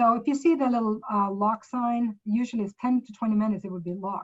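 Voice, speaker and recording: Somewhat breathy woman's voice at a moderate pace, with ordinary pitch variation and a dry, close sound with no echo. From Sweden. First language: Swedish. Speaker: college professor. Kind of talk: presentation.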